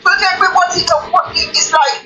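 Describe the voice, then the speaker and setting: A woman's voice: extremely high pitch, fairly even intonation, a little fast, sharp tone, far from the mic, a little hiss or hum. A woman making an impassioned political case, emphatic, with repeats and restarts, mixing Yoruba and English, her voice breaking with emotion. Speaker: guest speaker. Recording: echoey room, away from the mic.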